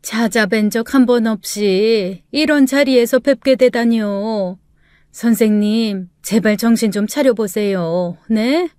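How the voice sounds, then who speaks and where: Weeping middle-aged mother-in-law in a radio drama, slow imploring delivery, voiced by a woman. Dry close mic. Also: fairly high pitch, dark tone, smooth, no echo. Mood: pleading.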